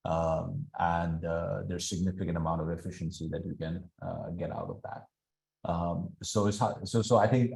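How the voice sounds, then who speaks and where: A man answering analyst questions on an earnings call as a company executive, explaining in a measured, hesitant way. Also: sits low, darkish tone.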